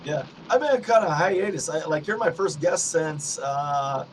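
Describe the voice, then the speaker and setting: A man's voice: fairly high pitch, animated, measured pace, slight background noise. A middle-aged man hosting a podcast, chatting easily and laughing often. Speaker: podcast host. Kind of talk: casual conversation.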